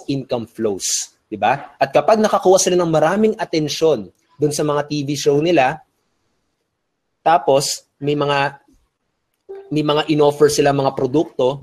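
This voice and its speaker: A man's voice: fairly high pitch, a little mellow. A man from the Philippines giving a webinar lecture on online business, full of energy and often checking in with rhetorical questions, switching between Tagalog and English.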